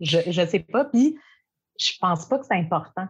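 A woman with a Quebec accent speaks at a fairly slow pace in a somewhat breathy voice. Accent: fully Quebec French. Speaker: film academy director. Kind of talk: podcast interview.

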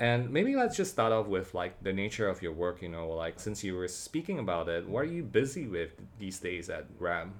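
A man talks in an ordinary speaking voice, fairly low in pitch, with lively intonation. He moves at a moderate pace with hardly any pauses. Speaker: podcast host and design educator. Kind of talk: interview. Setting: webinar, online call.

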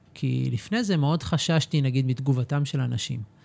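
Lively intonation marks this man's fairly high voice, captured as a very clean recording against a silent background with a dry, close sound and no echo. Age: 40s. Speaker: podcast host and body psychotherapist. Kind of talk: casual chat. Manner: halting.

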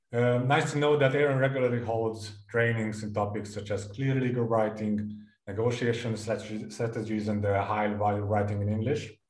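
Here is a man with a plain, everyday voice, pitched fairly low. He talks at a moderate pace with fairly even intonation and hardly any pauses. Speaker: webinar moderator. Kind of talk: event moderation. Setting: video call.

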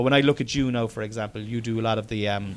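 Speaking at a very fast pace, a man uses a fairly low pitch. His intonation stays fairly even. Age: 40s. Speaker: podcast host. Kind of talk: casual chat. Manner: chatty, jokey.

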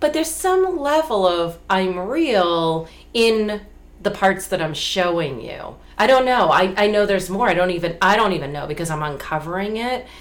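Amid audible room echo, a woman of medium pitch speaks at a moderate pace with very wide pitch swings. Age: 50s. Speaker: podcast host. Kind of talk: casual chat.

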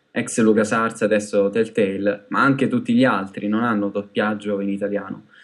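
Against a quiet background, a man with a fairly low pitch talks at a moderate pace in a monotone, flat way, with hardly any pauses. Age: young. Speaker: voice actor. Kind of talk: casual chat.

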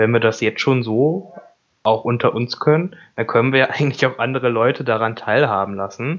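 Here is a plain, everyday voice. A man speaks at medium pitch and a moderate pace. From northern Germany, Jever (Friesland). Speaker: podcast co-host, tabletop gamer. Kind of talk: casual chat.

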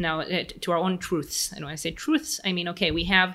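A woman with an Israeli accent speaks in a fairly low pitch with ordinary pitch variation and a bright, sharp tone. The recording is very clean, with a silent background. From Tel Aviv, Israel. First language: Hebrew. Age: 30s. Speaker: tour guide and speaker. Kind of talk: casual interview chat. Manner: halting, with frequent hesitations.

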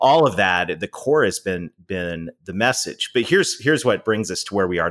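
A man's normal speaking voice, fairly low in pitch with lively intonation, at a moderate pace, dry and close with no echo on a very clean recording with a silent background. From Canada. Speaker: author and agency founder. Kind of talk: casual interview conversation.

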